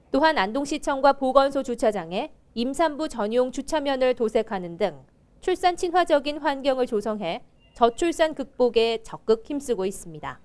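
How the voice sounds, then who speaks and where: A woman narrating a news report with formal, even delivery. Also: on the high side.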